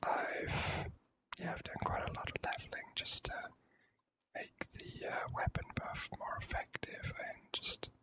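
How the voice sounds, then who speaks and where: A whispering host giving ASMR commentary on a video game playthrough, hesitant and measured, with formal wording. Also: low-quality recording.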